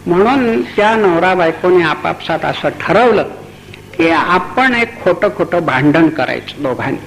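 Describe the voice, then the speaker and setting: A man preaching a devotional sermon, telling a story in an animated way and chanting refrains. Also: high voice, a little slow, creaky, low-quality recording. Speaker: kirtan preacher.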